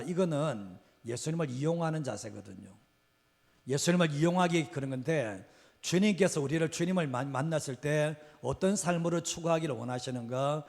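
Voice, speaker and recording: A middle-aged man preaching a sermon as pastor, earnest and repetitive, his sentence ends often trailing off quietly. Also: fairly high pitch, gravelly. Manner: earnest, repeats key phrases, trails off at line ends. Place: church sanctuary. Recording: long hall reverb.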